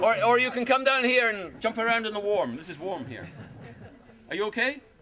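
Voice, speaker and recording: Raised, projected speech at a fairly quick pace, with big swings in loudness, ordinary pitch variation and noticeable background noise. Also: man, high pitch for a man. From Scotland. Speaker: clown performer. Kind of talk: stand-up comedy show with audience banter. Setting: stage with audience. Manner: animated.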